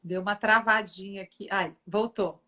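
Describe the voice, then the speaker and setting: A woman's voice: medium pitch, fairly even intonation, moderate pace, sharp tone. A woman hosting a casual live stream, chatty and addressing viewers directly. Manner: chatty, fillers like né, talks to audience.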